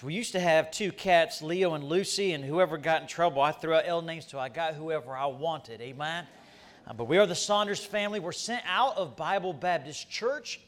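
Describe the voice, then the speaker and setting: A middle-aged man who grew up in the Bahamas, giving a folksy, joking testimony as a missionary preacher in a church. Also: fairly high pitch. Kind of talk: sermon testimony. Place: church sanctuary.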